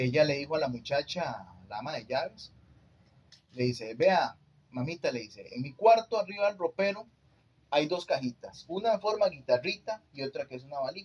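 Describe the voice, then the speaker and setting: A man with a fairly high pitch talks fairly quickly, his intonation lively. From Costa Rica, Nicoya (Guanacaste). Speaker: violin teacher and musician. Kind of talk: interview, personal life story. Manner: halting, many repetitions.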